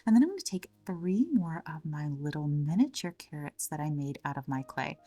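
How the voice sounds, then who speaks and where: A woman with a slightly scratchy voice from a cold, gently narrating a step-by-step craft tutorial in a chatty way. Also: low voice, lively intonation, normal speed, distant mic. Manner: gentle, chatty, fond of the word little. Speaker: craft channel host.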